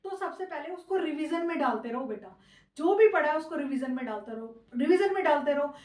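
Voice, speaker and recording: A woman's voice: high-pitched, lively intonation, a little fast, a little mellow. A woman exam-coaching teacher, lecturing her students casually, scolding yet affectionate and calling them "beta". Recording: echoey room, voice from far.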